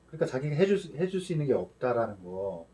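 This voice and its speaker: A man on a casual discussion panel, explaining his views in a measured way. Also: mid-range voice, very animated, warm tone.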